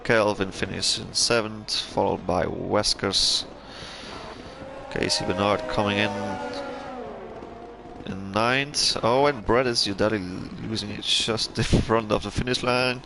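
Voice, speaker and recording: A man's voice: fairly low pitch, steady tone, slow, vocal fry. A young man with a Belgian accent commentating an online sim race, hesitant with many fillers and restarts. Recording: game engine noise and loud music behind. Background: engine noise and music.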